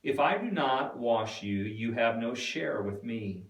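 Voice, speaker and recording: A man playing a calm, resolute rabbi in a church dramatic reading, speaking in a measured, instructive way. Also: medium pitch. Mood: calm, firm. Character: Jesus, adult male rabbi, calm, resolute teacher. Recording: echoey room, distant mic.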